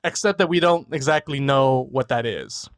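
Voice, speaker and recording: A man with a medium-pitched voice and moderate pace, a guest physician in his forties from New York whose first language was Korean, takes part in a casual interview by video call from a room at home. He's thoughtful and relaxed, repeating words and frequently asking "right?"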